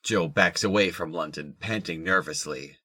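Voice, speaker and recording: A man's voice: low-pitched, moderate pace, pushed and bright, dry recording, clean studio sound. A man reading scripted third-person narration for an audio drama.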